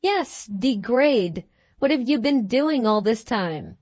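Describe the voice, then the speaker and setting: Woman as earnest young wife, pleading, reproachful, fairly high voice, dry close sound. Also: animated, slow, darkish tone, dry recording.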